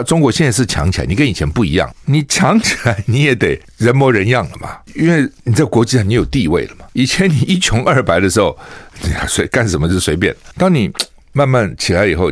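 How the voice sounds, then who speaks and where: A man's voice: fairly low pitch, dry recording, studio quality. An older man from Taiwan, a radio talk show host, giving opinionated commentary full of scolding rhetorical questions. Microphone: studio microphone.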